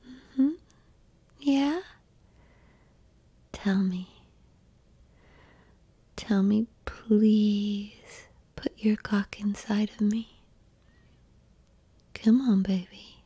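A woman whispers very slowly in a breathy, mellow voice, soft and coaxing throughout. The sound is close and dry, with no room around it. She keeps her tone steady and reassuring in an intimate roleplay. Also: mid-range voice, no room sound.

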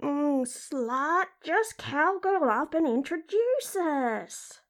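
A woman's voice: sits high, animated, very slow, heavily acted. A woman voicing a crude, lustful female creature in a comedic audio roleplay, blunt, bossy and sardonic. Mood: brash, mocking. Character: brash, crude, lustful female talking body part.

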